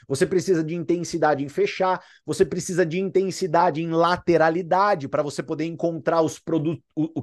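A man's voice: high voice, darkish tone. A male sales mentor with a Brazilian accent gives a fired-up motivational talk. He hammers his points home with emphatic repetition, pressing the same phrase again and again. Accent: Brazilian Portuguese.

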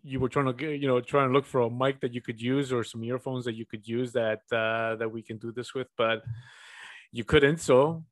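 A man's voice: medium pitch, fairly even intonation, moderate pace. Upbeat guy hosting a chill podcast chat over video call, lots of ums and laughs. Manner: friendly, upbeat, with fillers and laughs. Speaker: podcast host. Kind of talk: casual interview.

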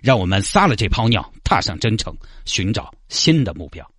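A man's voice: on the low side, sing-song, moderate pace, husky, no room sound, studio quality. A man with a Sichuanese accent telling a comic story, sliding into mock-solemn, pseudo-poetic recital.

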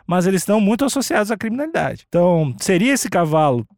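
A man's voice: sits high, very animated, fast talker, vocal fry, a little mellow, no room sound. Mock-earnest Brazilian man, dry sound. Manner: mock-earnest, faux-cautious accusations. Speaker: podcast co-host. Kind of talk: comedic mock-serious news chat.

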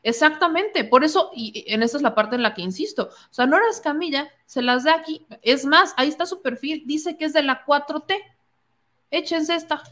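Indignant high-voiced Mexican woman. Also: normal speed, fairly bright tone. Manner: indignant, sarcastic, mocking quotes. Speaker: political commentator. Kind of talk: opinionated political commentary.

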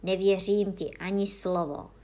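Přísný tlustý soudce v podání předčítající ženy hřímá a hlasitě křičí. Jeho hlas je oproti vyprávění silnější, ale ve stejné výšce. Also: female voice, mid-range voice, steady tone, mellow, natural voice. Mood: hřímavý, rozhněvaný.

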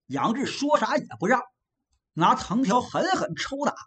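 A woman storyteller narrating a classic novel with a lively, expressive delivery. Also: on the high side, normal speed.

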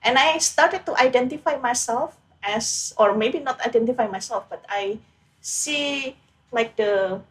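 A woman's voice: on the high side, unhurried. A young woman from Indonesia in a casual interview, talking about her PhD path with many fillers and restarts.

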